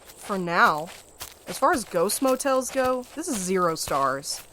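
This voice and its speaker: A woman's voice: mid-range voice, sing-song, takes it slowly, a bit bright. A dry, sardonic adventurer who would rather stay home. She grumbles and objects in a natural mid-range voice, with an anxious edge. It is audio drama, with some noise behind her. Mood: grudging, sardonic. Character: sarcastic, grumbling, anxious reluctant explorer named Val.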